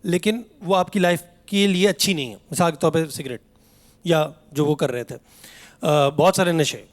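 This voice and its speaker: A young man doing stand-up on a comedy stage, and his voice sits high for a man. He tells family stories with animated delivery and briefly acts out his parents and relatives as he goes. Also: normal speed. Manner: animated storytelling, acting out family members. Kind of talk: stand-up routine. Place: comedy stage before a live audience.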